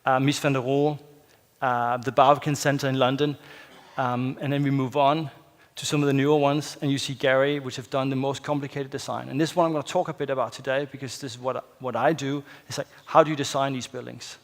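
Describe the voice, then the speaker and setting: A middle-aged Danish-accented man gives a conference talk in English, his second language. He pauses often with fillers and keeps checking in with the audience with a quick "yeah?". His voice sits at an ordinary pitch and rings with the long reverb of a big hotel hall. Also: flat delivery. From Denmark. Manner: hesitant, many fillers, tag question "yeah?". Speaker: conference speaker. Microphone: headset or lapel mic, far camera.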